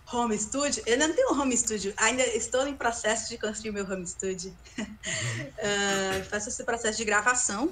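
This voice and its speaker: A woman's fairly high-pitched voice with ordinary pitch variation at a moderate pace. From Recife, Brazil. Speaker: anime rap singer. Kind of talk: casual chat.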